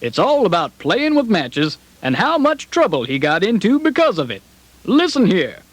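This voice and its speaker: A man's voice: high voice, wildly swooping pitch, moderate pace. A man voicing a folksy cowboy puppet who speaks and sings in rhyme to children with a country drawl. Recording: echoey room with loud country music.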